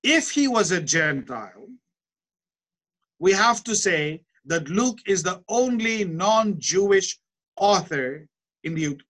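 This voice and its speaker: Guy teaching a bible class, pretty high voice, slow and explaining, asks questions then answers em. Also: animated, a bit bright. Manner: measured, explanatory, with rhetorical questions and pauses.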